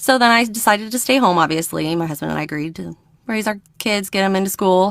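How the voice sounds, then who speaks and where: A woman speaks with a slight northern US accent at a medium pitch. The sound is dry and close, with no echo. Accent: slight northern US accent on some words. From Northern Virginia. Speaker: audiobook narrator. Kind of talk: casual chat.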